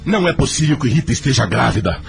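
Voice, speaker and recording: A man's voice: medium pitch, very animated, fast, vocal fry, soft background music. An actor playing a stubborn, hot-tempered middle-aged father in a radio soap opera, speaking vehemently and emphatically. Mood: shocked, indignant.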